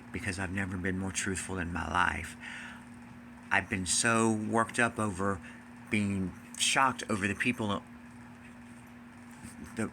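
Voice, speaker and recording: Male vlogger, campy and theatrical, forceful bright tone, confessional delivery, faint background noise. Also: fairly low pitch. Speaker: video blogger. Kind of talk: confessional vlog to fans.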